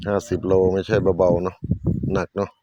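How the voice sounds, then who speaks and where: Casting: male farmer vlogger, low voice, Isan northeastern Thai accent, casual narration, some background noise. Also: little pitch movement, brisk.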